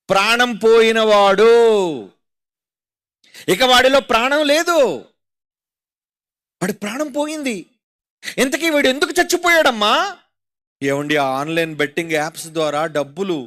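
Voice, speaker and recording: A man's voice: very high-pitched, fairly bright tone. A man preaching a sermon at an open public meeting, dramatic, with rhetorical questions and repeated phrases.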